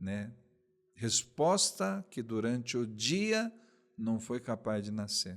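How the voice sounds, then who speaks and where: Using ordinary pitch variation, a man talks at a very slow pace with long, frequent pauses on a very clean recording with a silent background. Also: medium pitch for a man. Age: 60s. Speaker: data governance executive. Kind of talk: podcast interview.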